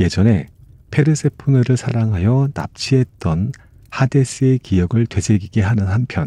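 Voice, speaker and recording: A man speaks with lively intonation in a dark, mellow, calm, soothing tone. The sound is dry and close, with no echo. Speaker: audiobook narrator reading a book aloud. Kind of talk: sleep story audiobook narration. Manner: soft, calm, soothing.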